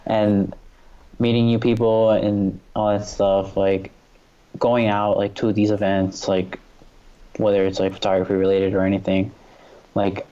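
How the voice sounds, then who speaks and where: A man's voice: on the low side, level tone, unhurried, dark tone, highs cut off. A man from New York, a photographer, talking earnestly as a guest in a casual conversation, with lots of "like" and "you know".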